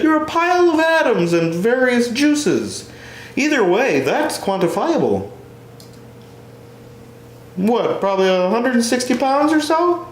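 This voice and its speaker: A man's voice: very high voice, slight background noise, pitched above the performer's own voice, full character voice. A man playing both parts in a one-man stage comedy, here voicing an eccentric, pedantic chemistry teacher lecturing theatrically. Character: eccentric pedantic male chemistry teacher, nerdy mad-scientist type. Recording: roomy, echoing stage sound.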